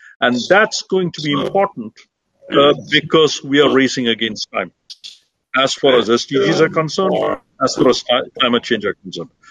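A man with a fairly high pitch, vocal fry, and very wide pitch swings talks at a fairly quick pace with long, frequent pauses, captured dry with no echo against a quiet background. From India. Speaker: sustainable development executive; panelist. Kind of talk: panel discussion. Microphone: video call.

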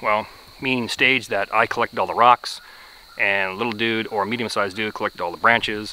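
Speech comes at a very fast pace in a dry sound with no echo, with light background noise behind it. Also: man. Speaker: outdoor vlogger. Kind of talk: casual vlog chat. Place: forest. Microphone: phone near.

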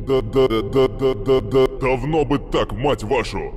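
A man's put-on character voice at a medium pitch and fairly slow pace, with clear background noise. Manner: foul-mouthed, irritable, complaining.

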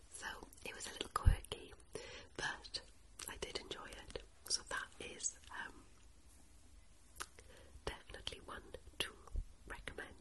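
Whispering at a moderate pace, a woman leaves long, frequent pauses, her loudness swinging widely. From Wales. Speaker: book vlogger. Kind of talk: ASMR book review talk to camera. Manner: soft-spoken. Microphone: handheld.

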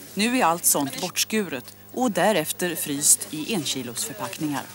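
The speech comes at a fairly slow pace, with a dry sound free of echo and light background noise. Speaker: news reporter. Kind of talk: news report narration.

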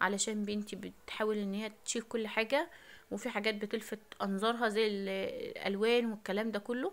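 A woman's fairly high voice in monotone, flat intonation at a moderate pace. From Upper Egypt, Minya; Egypt. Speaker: home routine vlogger. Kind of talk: voiceover vlog narration; casual vlog chat. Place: home room. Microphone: phone near.

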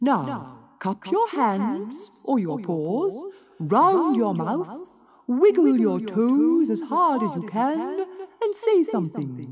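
A put-on character voice sounds female, with a fairly high pitch. It moves at a very slow pace. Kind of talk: children's story reading. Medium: read story. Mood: kindly instructive.

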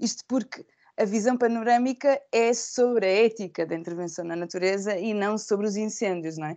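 A woman talks at a moderate pace in a fairly high pitch with a dark, mellow tone. Her pitch varies in an ordinary way against a quiet background. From Portugal. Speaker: philosophy professor. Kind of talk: academic lecture. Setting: video call. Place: home room. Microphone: earbuds.

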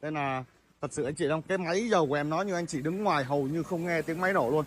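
Over light background noise, a man speaks in a high pitch with ordinary pitch variation. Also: dry sound with no echo. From Vietnam. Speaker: used car salesman. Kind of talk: sales pitch. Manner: fast, filler-heavy. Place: street. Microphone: phone near.

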